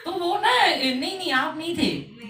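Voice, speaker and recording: A middle-aged woman leading a devotional satsang, telling lively anecdotes and acting out what people said. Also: extremely high pitch, a little slow, a crowd in the background. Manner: lively anecdotal storytelling with acted quotes. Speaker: satsang speaker. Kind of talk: devotional storytelling talk. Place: a home satsang gathering indoors. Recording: echoey room from far off.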